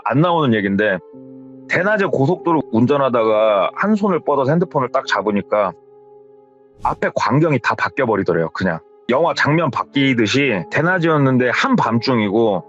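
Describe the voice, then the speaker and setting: A male horror storyteller speaks in a relaxed, conversational way, retelling another's story with a lively, moving pitch. The audio is slightly dull and lo-fi. Soft music plays faintly behind. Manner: conversational, retells secondhand with hearsay endings. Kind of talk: casual spoken storytelling.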